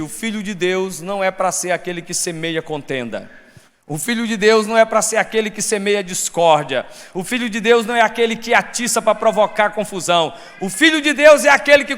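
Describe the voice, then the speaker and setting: A man preaching a sermon as pastor, with a Brazilian Portuguese accent, swinging between shouted points and soft asides. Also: sits high, lively intonation, brisk. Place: church hall. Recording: long church reverb.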